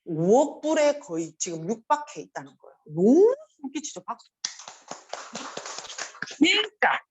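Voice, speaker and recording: A middle-aged woman with a Gyeongsang accent gives a motivational seminar talk, animated and acting out quoted voices. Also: fairly high pitch, normal speed, husky. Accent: Gyeongsang Korean. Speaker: motivational speaker.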